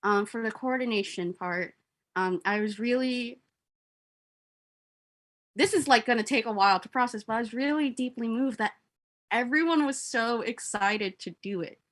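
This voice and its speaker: Bright, earnest young woman. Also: on the high side, moderate pace, pauses often. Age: young adult. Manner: effusive, giggly, earnest. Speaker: livestream organizer. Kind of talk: casual chat.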